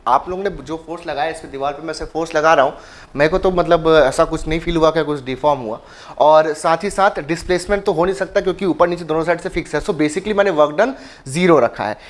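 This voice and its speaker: A man from India teaching an exam-prep engineering lecture, switching freely between two languages and explaining with playful everyday examples. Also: sits high. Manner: mixes Hindi and English freely.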